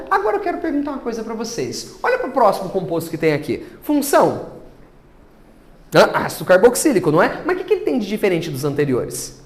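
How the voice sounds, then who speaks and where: Man, Brazilian Portuguese accent, chemistry lecture, lively voice, asks and answers his own questions. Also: high-pitched. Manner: asks the class questions and answers them himself. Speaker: chemistry teacher. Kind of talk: classroom lecture.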